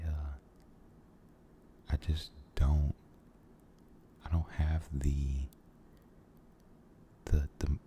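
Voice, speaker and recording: A man giving a soft-spoken, mostly whispered ASMR ramble, halting and gentle, repeating his phrases, close to the microphone. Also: rumbling low, a little hiss or hum. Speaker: ASMR video creator.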